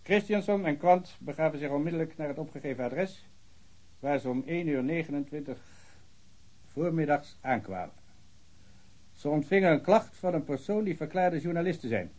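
An actor playing a formal, pedantic police official who reads out a report in stiff officialese. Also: male voice, a little high, darkish tone. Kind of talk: radio drama acting.

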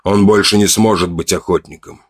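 A man voicing a weary, stern old tribal chief who speaks low and muffled. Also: fairly even intonation, brisk, slightly rough. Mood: grave.

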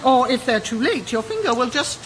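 An actress playing a brisk, bossy older woman with a dry manner in a radio comedy. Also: high voice, big pitch swings, noisy background. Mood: brisk, tart. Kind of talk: scripted radio comedy acting.

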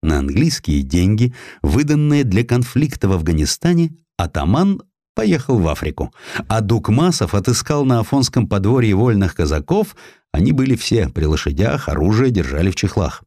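A man reads a historical tale as scripted audiobook narration, with a dramatic, expressive storytelling delivery. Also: lowish voice, normal speed, no room sound, studio quality.

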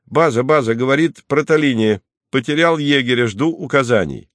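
A man voicing an excitable, easily offended male hunter who talks loudly and pompously. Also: moderate pace, dry recording, close to an everyday voice. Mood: eager. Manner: loud, indignant, higher-pitched.

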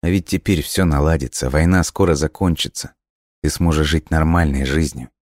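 A man voicing a gentle, dying ghost boy who speaks softly and wearily in a hushed, breathy voice. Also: rumbling low, fairly even intonation, moderate pace, dry recording, clean studio sound. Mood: tender, hushed.

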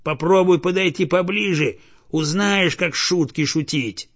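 A man's voice: high-pitched, measured pace, a bit bright, voice pushed up. A man voicing a grumpy old chained farm dog that barks and threatens. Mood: angry. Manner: barking, gruff, threatening. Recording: dull lo-fi recording.

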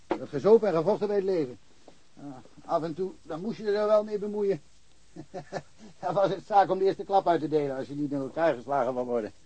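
A man's voice: a little high, darkish tone, close to an everyday voice, low-quality recording. An actor playing a chatty, wry small-town policeman in a naturalistic radio crime drama, rambling along with dry humour. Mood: reminiscing, wry. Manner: rambling, dryly humorous. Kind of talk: naturalistic radio play dialogue.

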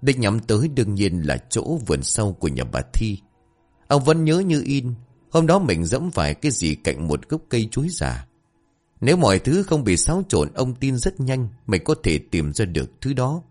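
A man narrating a village story in an expressive storytelling manner. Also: medium pitch, moderate pace. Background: faint background music.

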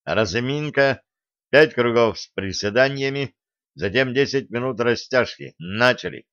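A man's voice: mid-range voice, measured pace, a bit bright, no echo. A stern karate sensei gives short, commanding orders, voiced by a male reader. The sound is dry and a little muffled. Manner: curt, commanding.

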